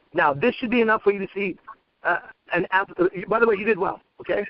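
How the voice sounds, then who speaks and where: At a very fast pace, a man speaks at a high pitch with ordinary pitch variation. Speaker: dating coach. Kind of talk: role-play demonstration and coaching. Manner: animated.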